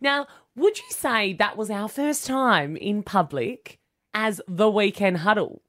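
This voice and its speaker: The speaker uses an Australian accent and lively intonation. The pace is very slow. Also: woman, fairly high pitch for a woman. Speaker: radio co-host. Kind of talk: casual chat. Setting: studio.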